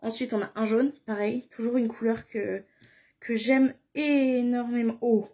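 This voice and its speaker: A woman's voice: fairly high pitch, fairly even intonation, unhurried, mellow. A young woman chatting casually in a beauty haul video, gushing with enthusiasm and repeating words for emphasis. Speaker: beauty vlogger.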